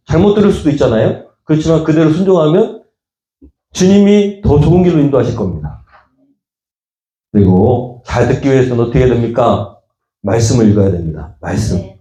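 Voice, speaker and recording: A man's voice: medium pitch, dark tone. A middle-aged man preaching a sermon as pastor, talking to the congregation in a conversational way and acting out the voices he quotes. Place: church sanctuary. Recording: echoey church room.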